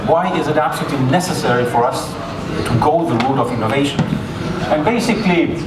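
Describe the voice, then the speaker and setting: A man from Germany with a German accent, giving a measured conference talk with occasional restarts. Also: medium pitch. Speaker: conference speaker. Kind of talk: conference presentation. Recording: echoey hall, distant mic, loud ambience.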